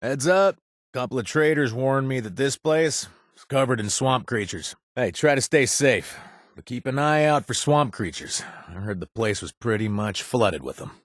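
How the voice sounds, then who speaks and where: An actor playing a wry, chatty wasteland informant in a video game, husky, with a hesitant, rambling delivery and joking asides. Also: male voice, mid-range voice, animated, moderate pace, dry recording, clean studio sound, close to an everyday voice. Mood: wry, offhand. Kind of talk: video game voice acting, casual spoken tips.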